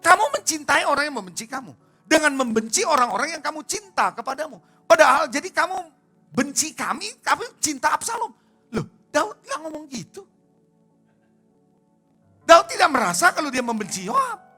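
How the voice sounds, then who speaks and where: A male pastor preaching a sermon, animated and mixing formal preaching with slangy asides. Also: extremely high pitch, normal speed, faint music behind.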